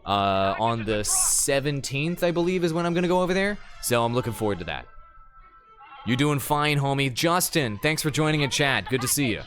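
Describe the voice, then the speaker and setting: A man's voice: medium pitch, expressive, normal speed, fairly bright tone, faint music behind. A man doing casual live gameplay commentary, chatting with viewers in a slangy, joking manner. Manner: slangy, joking, talks to chat. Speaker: live game streamer. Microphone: streaming microphone.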